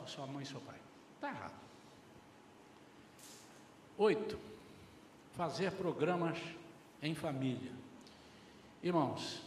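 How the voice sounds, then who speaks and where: A middle-aged pastor preaches with a high, lively, bright voice, swinging his pitch widely as he acts out family scenes. His sermon rings through a reverberant church hall with a faint hum of the room behind him. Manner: animated preaching, acting out family dialogues.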